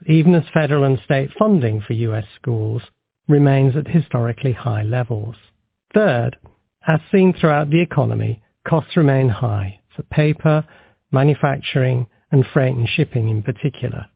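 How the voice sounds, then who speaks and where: A man with a husky, creaky voice speaks over a narrow, tinny phone line. He delivers prepared corporate remarks like an executive on an earnings call, in a formal and measured way. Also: mid-range voice, dry recording. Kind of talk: scripted corporate presentation, read aloud.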